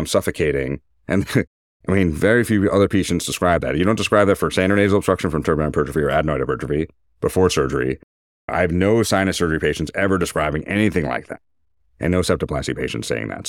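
A man's voice: low voice, no echo, clean studio sound. A man speaking as a surgeon, giving an informal, detailed medical explanation in a conversational way.

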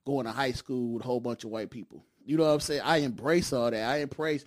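A man's voice: medium pitch, quick pace. A man from Detroit with an African American accent, talking casually and emphatically, repeating himself and checking he is understood. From Detroit, United States. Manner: emphatic and repetitive, with frequent checking tags. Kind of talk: casual conversation.

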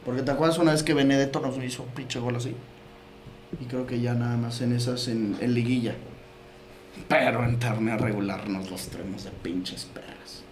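A man's voice: medium pitch, fairly even intonation, moderate pace, a little hiss or hum. A young man with a Mexican Spanish accent, co-hosting a casual sports podcast, teasing his friends and laughing often. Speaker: podcast co-host. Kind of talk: casual banter among friends. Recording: echoey room with faint ambience.

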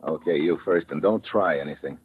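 An actor playing a tough, wisecracking special agent in a radio drama, with an American accent and a blunt, sardonic way of talking. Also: male voice, very deep voice, a little fast, background noise. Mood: suspicious, threatening. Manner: hard-boiled, sardonic, blunt. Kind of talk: 1950s radio drama acting and narration. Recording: muffled old radio recording.

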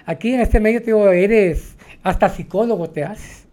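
Man, high-pitched, mellow dark tone, rambling storyteller, keeps asking "¿no?". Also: normal speed. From Mexico. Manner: rambling, tags sentences with "¿no?". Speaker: taxi driver guest. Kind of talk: storytelling interview.

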